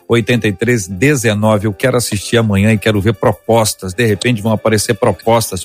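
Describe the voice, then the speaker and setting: A man hosting a radio debate show, chatty and enthusiastic, repeating contact details for listeners. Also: on the low side. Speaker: radio host.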